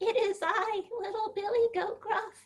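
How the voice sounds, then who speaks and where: Delivered in a put-on character voice, the speech comes at an extremely high pitch and a fairly slow pace. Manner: small, timid.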